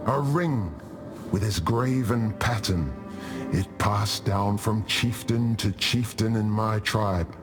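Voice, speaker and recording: A man's voice: on the low side, slow. An actor playing a boisterous, boastful tribal warrior spirit restored to his prime in a video game, with a jovial, teasing storytelling manner. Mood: proud, boastful. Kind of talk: video game character dialogue. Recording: music under the voice.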